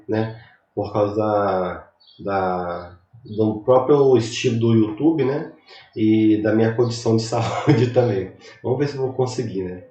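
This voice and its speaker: Sniffly Brazilian lecturer in an echoey room. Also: male voice, lowish voice, mellow, distant mic, dull audio, a little hiss or hum. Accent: Brazilian Portuguese. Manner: rambling, conversational, chatty asides. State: recovering from a cold, sniffly. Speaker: university lecturer. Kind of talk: recorded online lecture.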